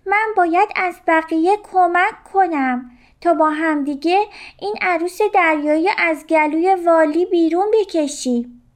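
A woman's voice: very high voice, pitched above the performer's own voice. A woman voicing a small, friendly young fish, calling out eagerly in a raised, childlike tone. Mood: eager, worried. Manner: raised, urgent, childlike calls.

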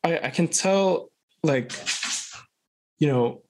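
A young man from Thailand, a podcast guest, talking in a slow, hesitant, thoughtful way with many restarts. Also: fairly high pitch, noisy background. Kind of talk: casual interview chat.

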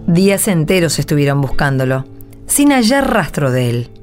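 A woman narrator tells the story of a radio drama from a script. Her voice is on the low side and moves expressively, with music underneath. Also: very animated, moderate pace.

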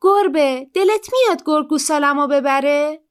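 A woman's voice: high-pitched, pitched above the performer's own voice, close to an everyday voice. A woman voicing a worried mother cow in a children's story, pleading with the cat.

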